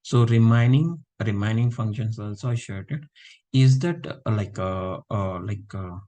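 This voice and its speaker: A man's voice: lowish voice, measured pace, warm tone. A man teaching a live online class, feeling unwell and checking in with students often. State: unwell, low voice. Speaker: instructor.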